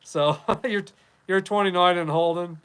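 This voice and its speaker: A man's voice: high-pitched, a little slow, fairly bright tone, clear, resonant tone. A man in his fifties from Wyoming, hosting a casual live podcast, rambling and chatting as he reads viewer comments. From Wyoming, USA. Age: 50s. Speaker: podcast host. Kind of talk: casual live-stream chat.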